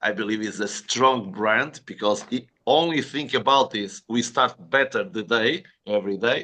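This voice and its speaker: A man with a Portuguese accent speaks at a moderate pace and a medium pitch. His tone is bright and sharp, and his intonation lively. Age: 60s. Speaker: personal development coach, company founder. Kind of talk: interview.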